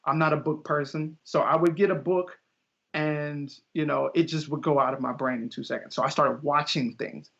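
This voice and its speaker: Gravelly, animated young man telling stories. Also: fairly high pitch, normal speed. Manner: animated storyteller, acts out quoted voices with laughs. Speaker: interview guest, English teacher in Japan. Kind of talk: casual interview conversation. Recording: dull lo-fi audio.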